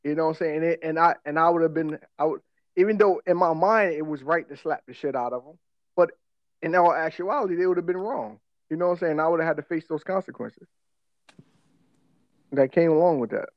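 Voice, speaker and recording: Slangy man with African American English, higher-pitched. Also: dry recording, lo-fi sound. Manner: slangy, profane, quick to laugh. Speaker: podcast co-host. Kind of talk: casual chat, personal storytelling.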